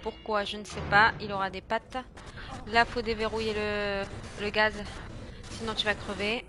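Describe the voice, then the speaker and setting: A young woman from France playing a horror game and commenting casually, chatty and excitable, swinging from shrieks to low mutters. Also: moderate pace, noisy background. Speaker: gaming streamer. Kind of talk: casual let's-play commentary.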